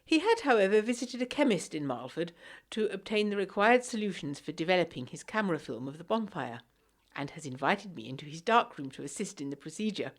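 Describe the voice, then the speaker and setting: The mood is animated and confiding as an actress, her voice on the low side with big pitch swings and a brisk pace, reads a letter aloud in character. She portrays a genteel, frail young 1920s Englishwoman in a gothic period audio drama, delivering it formally, earnestly and articulately.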